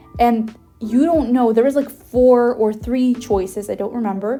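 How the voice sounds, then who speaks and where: A woman's fairly high voice with a non-native accent, moderate pace, and ordinary pitch variation. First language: not English. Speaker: digital illustrator, art youtuber. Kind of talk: casual chat while sketching.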